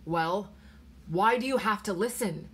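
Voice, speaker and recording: A woman's voice: medium pitch, unhurried, breathy edge. A woman voicing a tired, exasperated husband in a story, firm and remonstrating. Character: weary, exasperated husband, reasoning and reassuring.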